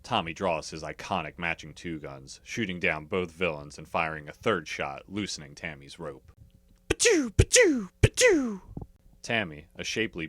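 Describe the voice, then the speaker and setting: A man's voice: extremely low pitch, sharp tone, no room sound. A man working as a voiceover artist, reading scripted narration and advertising copy.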